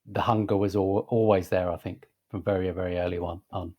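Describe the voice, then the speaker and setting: A man in his forties with a softened northern English accent, a guest talking casually in a podcast interview, relaxed and hesitant, with many fillers and restarts. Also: low-pitched, a little fast. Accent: Northern English, softened by southern England. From northern England. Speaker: guest, creative director.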